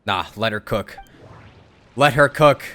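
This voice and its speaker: A man's voice: mid-range voice, slow, a bit bright. A male streamer giving playful, teasing live commentary over a game, full of slangy asides.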